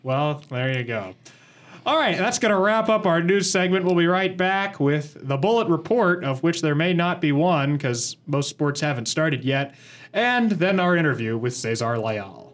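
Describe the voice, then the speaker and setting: A man's voice: on the high side, animated, moderate pace. A young man hosting a college radio talk show, wry and easygoing as he interviews. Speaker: host.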